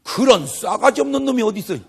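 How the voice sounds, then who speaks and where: Speaking at a normal speed, the older preacher has a mid-range, breathy voice that swings widely in pitch. His comic revival sermon to the gathered congregation is conversational and story-driven, full of acted-out lines and banter where he asks the crowd questions.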